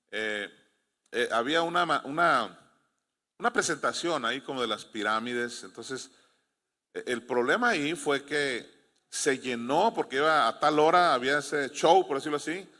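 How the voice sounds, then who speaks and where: A man's voice: fairly high pitch, sharp tone. A man with a Mexican accent, a pastor preaching a sermon and telling stories as he asks the congregation to respond. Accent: Mexican Spanish. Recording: long hall reverb.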